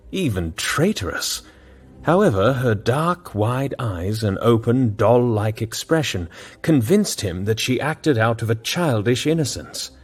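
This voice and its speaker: A man narrating an audio drama in a measured storytelling manner. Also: mid-range voice, husky.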